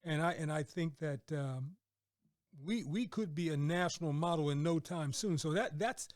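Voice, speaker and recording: A man's voice: fairly high pitch, normal speed, a little mellow, dry recording, clean studio sound. A middle-aged man hosting a conversational interview, affirming and repeating words and phrases for emphasis. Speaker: podcast host and business mentor.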